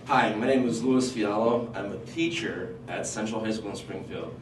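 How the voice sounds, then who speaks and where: A high school teacher who grew up in Portugal and speaks Portuguese as his first language testifies at a public hearing at normal speed, earnest and growing animated when quoting himself and his students. The recording comes from a distance in a large, roomy hall, with faint noise.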